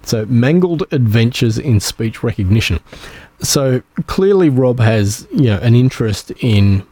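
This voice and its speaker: A man with an Australian accent hosting a podcast on his own, talking in a relaxed, rambling way with frequent fillers and restarts. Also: mid-range voice, a little slow, husky, no echo. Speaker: podcast host. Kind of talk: casual solo podcast talk.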